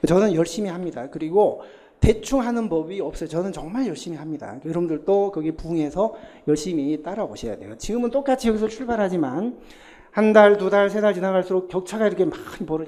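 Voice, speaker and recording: This man talks very fast, high-pitched, with lively intonation. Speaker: civil service exam lecturer. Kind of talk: lecture. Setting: classroom with students. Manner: drowsy-sounding, lulling.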